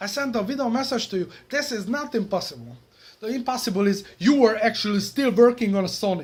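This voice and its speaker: On a very clean recording with a silent background, a man with a high pitch speaks at a fairly quick pace with ordinary pitch variation. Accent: non-native. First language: not English. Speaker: YouTuber. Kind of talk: angry rant. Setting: small room. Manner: halting.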